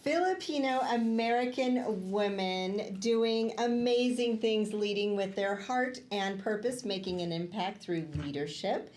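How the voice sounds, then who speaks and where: A woman's voice: medium pitch, a little slow, hardly any pauses. A woman co-hosting a podcast who introduces guests and often chimes in with short affirmations. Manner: warm affirming interjections, frequent "yes". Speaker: podcast co-host. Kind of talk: casual interview chat.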